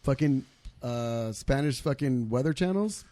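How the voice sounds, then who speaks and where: A man's voice: mid-range voice, unhurried, dry recording. A man co-hosting a podcast in casual chat, joking and swearing freely. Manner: profane, lively, joking. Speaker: podcast co-host.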